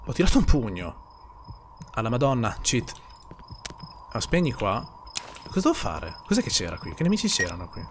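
A man's voice: mid-range voice, wildly swooping pitch, normal speed, long pauses, slight background noise. A young man streams a horror game, jittery and swearing as he talks to chat. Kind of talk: horror game let's play.

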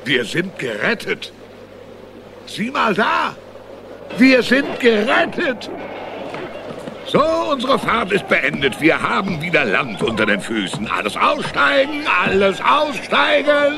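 A high, wildly animated jubilant seafarer. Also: male voice, slow, creaky, background noise, heavily acted. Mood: relieved, jubilant. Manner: exclaiming, calling out. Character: excitable male seafarer, jubilant, rallying his companions. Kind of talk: children's animated film audio drama.

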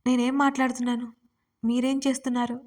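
A woman's voice: fairly high pitch, flat delivery, quick pace, a little mellow, lightly acted. A woman voicing a sulky, defiant young wife who talks in a pouting, indignant way.

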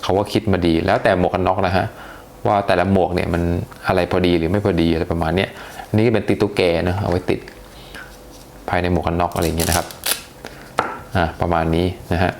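Male tech reviewer, low gravelly voice, chatty unboxing, faint hiss behind. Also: steady tone, fast talker. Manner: chatty, hesitant, lots of polite particles.

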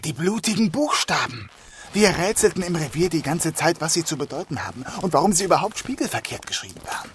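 An actor plays a sardonic detective inspector in a crime audio drama. His male voice sits high and swings widely in melody as he teases and deduces, with clear noise behind him. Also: big pitch swings, fast, fairly bright tone. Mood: intent. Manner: teasing, ironic.

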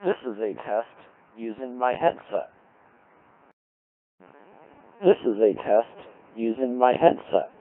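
A man slowly reading out a microphone test, his voice compressed through a filtered radio codec. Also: mid-range voice, very animated. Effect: compressed radio codec with band filters. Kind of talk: slow microphone test readout. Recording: muffled, phone-like, band-filtered codec audio.

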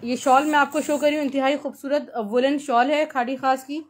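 Pakistani lady doing a live shopping pitch, highish voice, chatty and repetitive, drops english words in. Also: steady tone, fairly quick. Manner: repetitive selling talk mixing English words into sentences. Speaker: live-sale host selling clothes.

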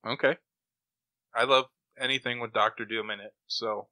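Bright, forceful man chatting casually. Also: medium pitch, fairly even intonation, normal speed, no room sound. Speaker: podcast co-host. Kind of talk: casual chat about comic books and old radio shows.

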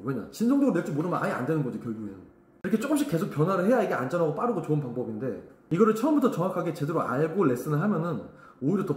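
A man's voice: on the high side, roomy sound. A man teaching singing in a blunt, emphatic way, breaking into short sung demonstrations. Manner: blunt, emphatic, sings short demo phrases. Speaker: vocal coach. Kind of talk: vocal lesson talk to camera. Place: vocal studio.

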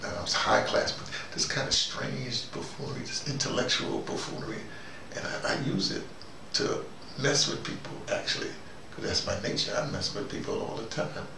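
An older American man with a mid-range voice and vocal fry talks at normal speed. As host, he delivers a rambling, conversational monologue that is wry, musing, and self-questioning. The recording is noisy and echoey, with the mic placed at a distance.

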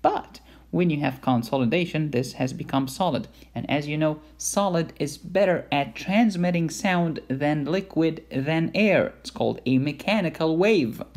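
A man's voice: fairly high pitch, moderate pace, a little mellow. A man giving an informal medical lecture in a playful, blunt and emphatic way. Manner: playful, blunt, emphatic teaching with mild cursing.

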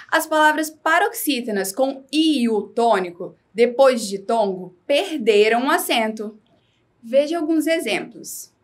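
Brazilian woman, high-pitched, slow and clear, scripted classroom explanation. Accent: Brazilian Portuguese. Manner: slow, clear, instructive delivery. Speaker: teacher.

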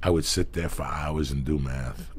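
A middle-aged man hosting a podcast, telling animated, profane stories from his past in a small studio on a studio mic. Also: very deep voice, moderate pace, slightly rough. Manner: profane, animated storyteller who acts out quotes. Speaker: podcast host. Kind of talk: casual storytelling chat. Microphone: studio mic with headphones.

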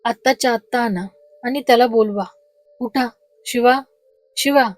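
Frantic grieving old mother voiced by a woman, shouting, high-pitched, dry close sound. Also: little pitch movement, takes it slowly, no echo. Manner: cries out pleading demands.

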